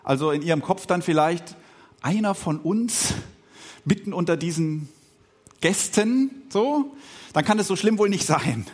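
Preaching on a podcast, a middle-aged man raised speaking Swiss German talks thoughtfully, with frequent pauses and quiet filler sounds. His slightly high male voice has lively intonation that rises and falls considerably.

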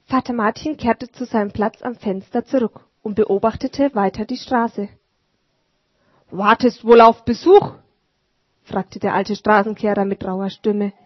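A woman reading a storybook aloud in a calm, measured narration. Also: mid-range voice, breathy edge, no room sound. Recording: dull lo-fi recording.

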